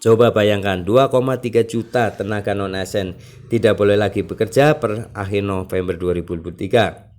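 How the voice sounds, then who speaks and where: Man, lower voice, news read-out, informal explanatory asides, reassuring manner. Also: a little fast, a little mellow. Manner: reassuring, explanatory asides, often ending phrases with "ya". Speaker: YouTube channel host. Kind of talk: reading news aloud with informal commentary.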